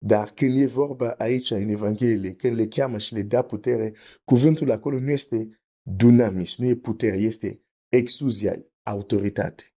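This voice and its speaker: A man's voice: mid-range voice, fairly even intonation, mellow. A man preaching a teaching sermon, explaining carefully, repeating his points and reading scripture aloud.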